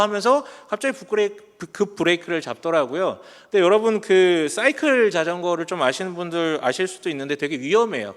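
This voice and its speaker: This pastor, a man in his forties, speaks in a high-pitched, slightly bright voice. His conversational sermon is self-deprecating and full of funny stories, and the sanctuary's long reverb rings through the clip.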